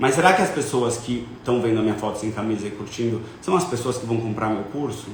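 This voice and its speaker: Fairly quick speech from a man of medium pitch with ordinary pitch variation, amid audible room echo and noticeable background noise. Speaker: fashion content creator and teacher. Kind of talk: live online class. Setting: live stream. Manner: fast.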